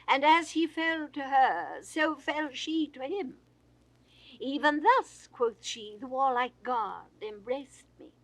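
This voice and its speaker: Older lady reading old poetry slow and grand, bright high voice, dry 60s studio sound. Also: no room sound, poor audio. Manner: grand theatrical delivery with sweeping swells and hushed falls. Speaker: poetry reader. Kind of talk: classical dramatic verse reading. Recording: dry 1960s studio recording.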